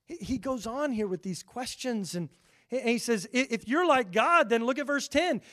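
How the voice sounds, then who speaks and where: Middle-aged pastor, man, noticeably high voice, earnest pulpit delivery that swells on scripture and sinks for asides. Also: lively intonation, normal speed. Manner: earnest preaching, rising loud on scripture, dropping quiet for asides. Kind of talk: sermon.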